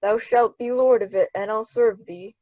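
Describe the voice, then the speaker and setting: A woman's voice: fairly high pitch, steady tone, moderate pace, a little mellow, no room sound, lightly acted. Woman playing a scheming island monster, muffled. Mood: scheming, murderous. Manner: formal archaic verse delivery, plotting and urging. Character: Caliban, bitter scheming enslaved island monster, male. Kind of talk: Shakespeare radio-play acting.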